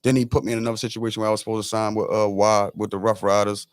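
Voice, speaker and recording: A man's voice: fairly low pitch, little pitch movement, racing, smooth, dry recording, studio quality. A man in his forties talking loosely and laid-back in a casual podcast chat.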